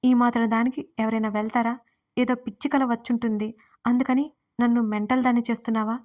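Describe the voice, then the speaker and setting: A woman's voice: a little high, level tone, quick pace, darkish tone, lightly acted. Woman voicing a stubborn, anxious young wife. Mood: protesting.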